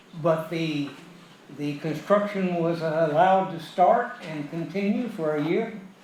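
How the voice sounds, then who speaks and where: Amid noticeable background noise and audible room echo, a high-pitched man talks at a fairly slow pace with ordinary pitch variation. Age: 90s. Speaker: retired engineer, public commenter. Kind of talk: public comment at meeting. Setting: council chambers.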